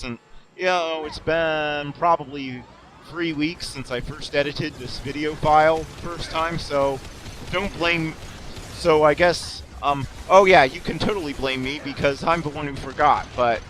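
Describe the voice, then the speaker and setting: This let's play commentator has a fairly bright voice on the high side. Rambling casually over a video game, he's sarcastic and self-deprecating, with plenty of jokes and sentences he keeps restarting.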